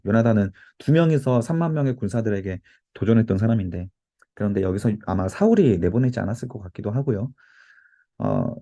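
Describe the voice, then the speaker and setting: A man's voice: fairly low pitch, mellow. A man teaching a Bible study to a youth group, explaining and exhorting while giving note-taking cues.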